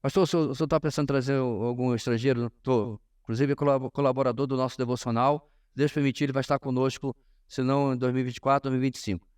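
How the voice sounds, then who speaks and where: Brazilian Portuguese accent, male pastor, mid-pitched voice, informal Bible teaching, emphatic phrasing, frequent pauses, direct address. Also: fairly even intonation, a little mellow, clear, resonant tone. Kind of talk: informal sermon-like lesson to a congregation.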